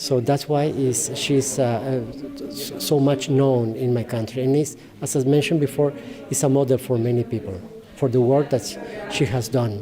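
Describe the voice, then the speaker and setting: Amid noticeable background noise, a man talks at a moderate pace with a medium pitch and fairly even intonation. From Paraguay. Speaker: ambassador. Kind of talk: interview. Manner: halting.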